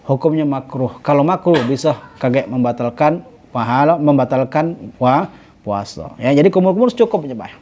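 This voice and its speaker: Halting ustadz teaching fasting rules. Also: male voice, medium pitch, expressive, a little mellow, a little hiss or hum. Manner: halting, frequent self-corrections and repeated "ya"; reads Arabic text slowly, then explains. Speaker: ustadz teaching a kitab class. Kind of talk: religious study lecture. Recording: dull lo-fi recording.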